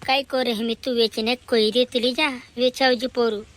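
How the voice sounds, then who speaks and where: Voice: mid-range voice, flat delivery, normal speed, fairly bright tone, close to an everyday voice. An actor voicing a stubborn village farmer father in a cartoon comedy, speaking with a rural Madhya Pradesh tribal accent. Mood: complaining. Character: village farmer father selling a goat at market, haggling stubbornly.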